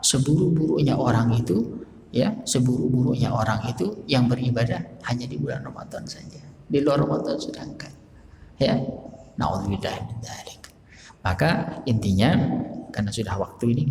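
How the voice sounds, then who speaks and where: A gravelly-voiced Indonesian man preaches in an animated way, slipping into quick acted scenes and jokes for his audience. His voice rings out through a large, reverberant hall, with a faint hum of room noise underneath. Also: mid-range voice. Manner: lively, jokes with the audience, acts out little scenes. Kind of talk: sermon. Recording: echoey hall with faint ambience.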